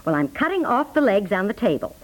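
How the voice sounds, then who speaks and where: A woman's voice: medium pitch, sing-song, brisk, poor audio. A woman playing a breezy, thrifty, self-satisfied neighbor lady, gushing and emphatic in an American accent, in 1950s radio comedy style. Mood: gushing, pleased. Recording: vintage 1950s radio broadcast.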